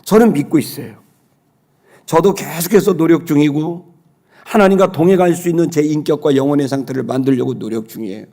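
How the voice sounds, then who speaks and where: A middle-aged male pastor preaching a Sunday sermon, telling a personal story with loud exclaims and soft low asides. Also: fairly quick.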